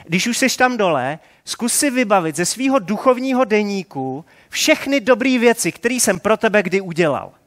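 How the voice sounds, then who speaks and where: A man's voice: sits high, very animated, hardly any pauses, fairly bright tone, pitched above the performer's own voice. A man voicing an impatient, preachy Jesus in a mock scene within a sermon. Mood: mock-didactic. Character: impatient lecturing Jesus, male adult.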